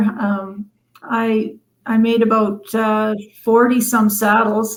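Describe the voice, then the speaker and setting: In a western Canadian accent, a woman speaks at a fairly high pitch, somewhat breathy, with monotone, flat intonation. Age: 60s. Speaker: mounted shooter and leather worker. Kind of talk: podcast interview. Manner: halting, many fillers.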